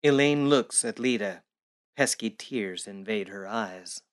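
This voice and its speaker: Audio drama narrator, matter of fact, measured, reading out scene action. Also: mid-range voice.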